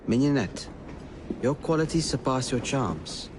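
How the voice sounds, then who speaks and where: An actor playing a shy, courteous gentleman who speaks in a gentle, formal way. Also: medium pitch, animated, measured pace, background noise, close to an everyday voice. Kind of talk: video game cutscene acting.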